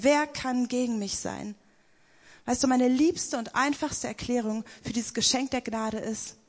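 A young woman giving an emphatic spoken-word devotional testimony. She slows right down for the lines she quotes. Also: on the high side.

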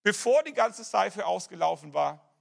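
A man's voice: high voice, big pitch swings, normal speed, vocal fry, full character voice. A man voicing a small, anxious boy who calls urgently for his father. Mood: pleading.

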